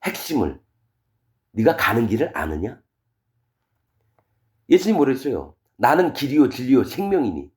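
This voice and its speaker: Male pastor, middle pitch, very lively expository sermon style with casual paraphrase. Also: moderate pace, long pauses. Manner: paraphrases verses in casual talking voice, asks rhetorical questions; animated, wide swings in pitch and loudness. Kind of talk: expository sermon reading scripture.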